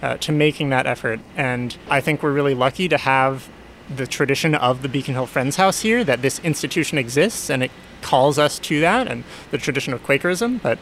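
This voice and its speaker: Speaking at a brisk clip with a medium-pitched, somewhat bright voice, this man is recorded with a touch of hiss or hum. He's a resident of a Quaker community house giving an earnest, reflective interview, frequently pausing to rephrase his thoughts.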